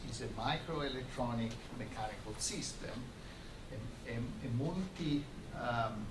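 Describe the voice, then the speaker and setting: A man gives a scientific colloquium lecture in a medium-pitched voice. His explanations are halting, with repeated words. The recording is reverberant and distant, with clear background noise. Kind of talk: academic lecture with slides. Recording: roomy, noisy lecture recording from far off.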